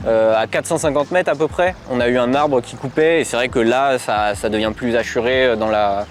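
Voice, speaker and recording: Here the same kind of casual review comes from a man with a French accent and a mid-range voice, talking a little fast as he explains things on an outdoor bike trip. Soft music plays underneath, and the clear recording carries ambient street and traffic sounds.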